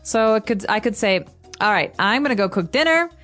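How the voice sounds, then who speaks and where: A woman's voice: mid-range voice, expressive, a little fast, a bit bright. Woman cohost on an english learning podcast, chatty, acts out little example lines, faint music behind. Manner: explains phrases with acted example lines. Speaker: podcast co-host. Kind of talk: casual teaching chat.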